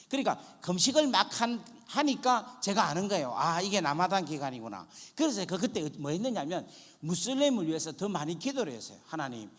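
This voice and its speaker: High, animated pastor in a reverberant church. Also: male voice, husky. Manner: dramatic, acts out prayers and dialogue, swings from hushed to loud. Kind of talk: sermon with personal testimony. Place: church sanctuary.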